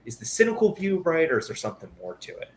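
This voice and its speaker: A man's voice: fairly high pitch, huge pitch swings, fast talker. A man hosting a podcast, asking long, chatty questions full of fillers. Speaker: podcast host. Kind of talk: casual interview questions.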